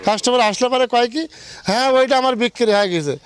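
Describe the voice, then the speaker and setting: A middle-aged dairy farmer man from Bangladesh, pitching his cows in quick, insistent casual talk, recorded in a cattle shed. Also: clean tone. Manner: rapid, insistent, ends phrases with "bhai". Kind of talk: casual on-site sales talk.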